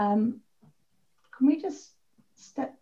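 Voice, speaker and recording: Somewhat breathy female voice, dark and mellow in tone, with lively intonation. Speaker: interviewer, sustainability director. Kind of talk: interview, webinar Q&A.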